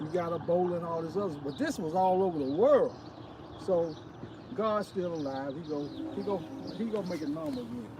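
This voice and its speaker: A high-pitched man talks fairly quickly in a Southern US accent, with ordinary pitch variation and long, frequent pauses. Audible room echo and noticeable background noise fill the recording. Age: 60s. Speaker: retired local resident. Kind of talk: casual chat.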